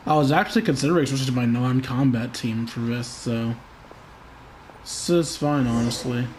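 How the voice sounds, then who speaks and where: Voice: medium pitch, normal speed, a little mellow, slight background noise. Sarcastic streamer muttering over gameplay. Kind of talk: casual gameplay commentary.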